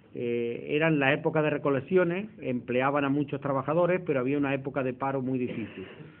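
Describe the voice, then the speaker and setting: Ordinary pitch variation at a fairly quick pace, hardly any pauses, with noticeable background noise. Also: man, fairly high pitch for a man. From Andalusia, Spain. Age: 50s. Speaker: left-wing politician. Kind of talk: public talk. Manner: halting.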